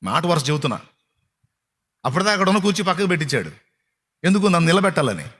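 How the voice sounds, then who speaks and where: A man's voice: fairly high pitch, very animated, quick pace, fairly bright tone, slightly rough. A man preaching a sermon, firing rhetorical questions at his listeners and mocking their complaints.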